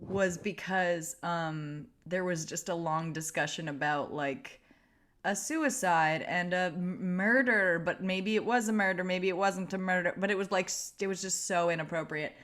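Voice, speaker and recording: A woman chatting casually on a video call in an animated, exclamatory way, with plenty of swearing. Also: fairly low pitch, normal speed. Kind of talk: casual chat before an online table read.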